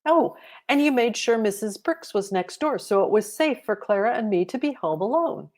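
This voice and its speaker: A woman voicing an earnest, curious young girl in a children's storybook, with a childlike, expressive manner. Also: a little high, moderate pace, voice pushed up. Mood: eager, earnest. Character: earnest, curious young girl who loves her cat. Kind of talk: children's storybook read-aloud.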